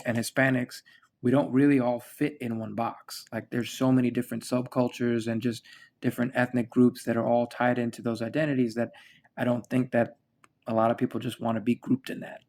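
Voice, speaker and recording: Here an American man hosting a podcast rambles through casual chat, stumbling into fillers and restarts. His voice sits at medium pitch with a darkish tone.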